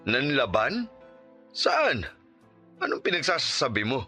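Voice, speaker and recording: A man's voice: medium pitch, huge pitch swings, measured pace, sharp tone, breathy edge, faint music behind, full character voice. An actor playing an arrogant, menacing rich male boss in a radio drama, contemptuous and bullying. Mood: mocking, threatening. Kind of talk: Tagalog radio drama acting.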